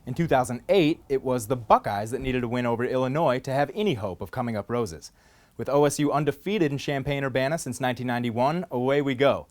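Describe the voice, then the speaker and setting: A man reading a scripted sports highlights voice-over in a playful, wry manner with theatrical emphasis. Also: fast. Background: music bed.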